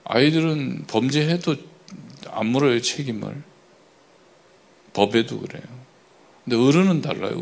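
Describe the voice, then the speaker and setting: A pastor with a gravelly, mid-range voice preaches a sermon, often asking the congregation to agree. He swings between loud, emphatic bursts and quiet asides.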